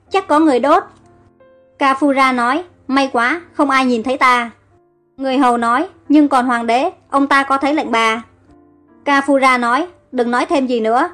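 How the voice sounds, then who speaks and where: Female audiobook narrator, high-pitched, reads all the parts herself over faint music. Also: a bit bright. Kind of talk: audiobook story reading.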